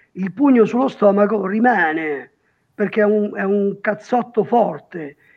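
Delivered very slowly, the voice rises and falls with a typical amount of pitch movement. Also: man. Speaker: author. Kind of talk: book presentation.

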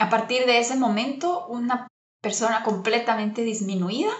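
Spoken at a fairly slow pace with a Guatemalan accent, the voice carries audible room echo. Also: woman. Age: 40s. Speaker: psychologist, survivor sharing testimony. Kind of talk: testimony.

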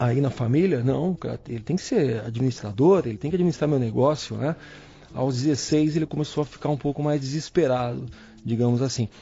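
A man talks at a medium pitch and a fairly quick pace, his voice somewhat breathy and his pitch variation ordinary. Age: 30s. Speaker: podcast host and corporate speaker. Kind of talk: casual interview chat.

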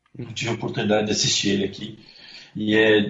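This man has a fairly low pitch and keeps up a fairly quick pace. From western Santa Catarina, Brazil (Videira). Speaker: podcast guest, local of the state. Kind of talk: casual chat.

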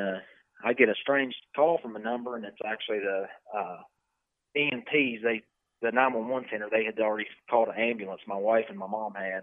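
In an Appalachian accent, a man speaks at a moderate pace and medium pitch with ordinary pitch variation. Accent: Appalachian American. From West Virginia. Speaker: turkey hunter, shooting victim, former Marine. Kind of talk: interview testimony.

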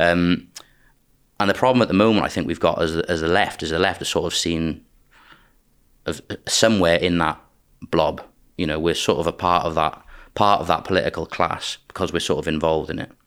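A man's very deep, low voice in a Welsh accent, fairly even in intonation, with long, frequent pauses on a very clean recording with a silent background. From South Wales. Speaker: sociologist and author. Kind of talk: interview conversation. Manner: halting, many repetitions.

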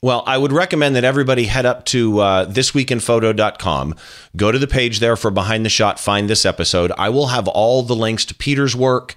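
With an unremarkable speaking voice, a man talks at a fairly quick pace, with medium pitch and ordinary pitch variation, on a very clean recording with a silent background. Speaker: podcast host. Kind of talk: casual chat.

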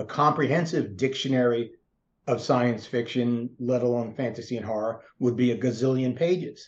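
A man's unremarkable speaking voice, medium in pitch, with fairly even intonation at a moderate pace. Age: 60s. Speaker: author. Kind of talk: interview.

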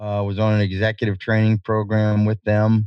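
A man speaks against a quiet background. His pitch sits fairly low. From New Orleans. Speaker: insurance executive guest. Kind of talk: interview conversation.

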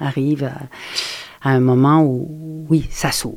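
A woman's very deep, low voice with a dark, mellow tone. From Quebec. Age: 70s. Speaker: poet. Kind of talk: interview. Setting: radio studio.

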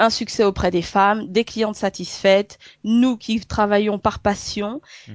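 A woman has a plain, everyday voice at medium pitch. She talks at a fairly slow pace with fairly even intonation. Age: 30s. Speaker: business client, women's advice service director. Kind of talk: testimonial interview.

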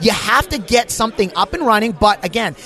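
The delivery is animated and very fast. Noticeable background noise is present. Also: man. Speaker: podcaster. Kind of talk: casual interview. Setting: live event. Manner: high-energy, animated.

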